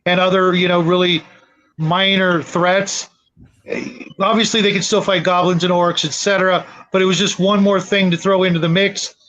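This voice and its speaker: A middle-aged man chatting casually as a gaming show co-host, with a halting, meandering way of talking. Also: high voice, level tone, fairly bright tone. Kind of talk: casual chat. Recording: dull lo-fi voice chat audio.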